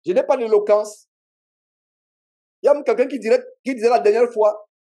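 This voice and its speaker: Male pastor, Cameroonian French accent, warm high voice, emphatic call-and-response sermon delivery. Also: fairly even intonation, a little fast. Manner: emphatic, repeats key phrases, call-and-response with the congregation. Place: church meeting.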